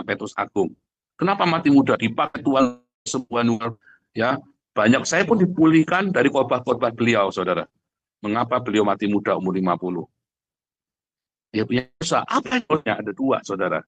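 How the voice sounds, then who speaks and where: A man's voice: medium pitch, fairly bright tone, no echo, highs cut off. Blunt male preacher, close dry sound. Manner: blunt, emphatic, addresses listeners directly, asks rhetorical questions. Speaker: preacher, pastor. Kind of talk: conversational livestream sermon.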